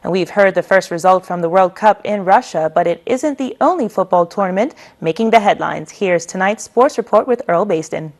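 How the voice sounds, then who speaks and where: A woman presenting the evening news with a brisk, promotional read. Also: mid-range voice, animated, a little mellow. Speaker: news anchor.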